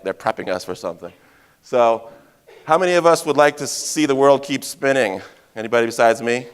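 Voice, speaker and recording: Loud, chatty man from Maine. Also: medium pitch, smooth. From Maine, USA. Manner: loud, chatty, jokey, asks the crowd questions, many "right?" tags. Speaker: heroism educator giving a conference talk. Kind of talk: live audience talk. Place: conference stage before an audience. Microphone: handheld or stage mic.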